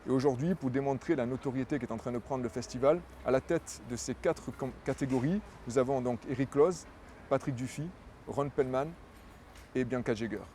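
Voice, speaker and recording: A man's voice: mid-range voice, normal speed, mellow, slight background noise. A man, a festival director, answering interview questions in a fluent, promotional way, repeating words as he thinks.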